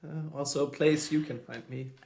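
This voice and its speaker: A man's voice: fairly high pitch, steady tone, normal speed, gravelly, a little mellow. A man from Germany calling in from home as a podcast guest, thoughtful and hesitant with many fillers. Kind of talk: podcast interview answers.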